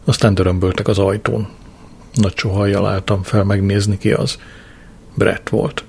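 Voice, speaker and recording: Gravelly low-voiced male narrator. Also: flat delivery, darkish tone. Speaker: audiobook narrator. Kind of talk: first-person diary narration.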